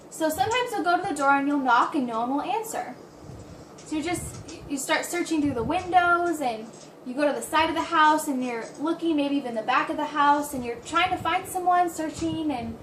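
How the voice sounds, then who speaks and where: A woman with a high voice gives an informal spoken interpretation of a presentation. She rephrases as she goes, slightly halting. She sounds set back from the microphone in an echoey room, with faint noise underneath. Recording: roomy echo, distant mic, background hiss.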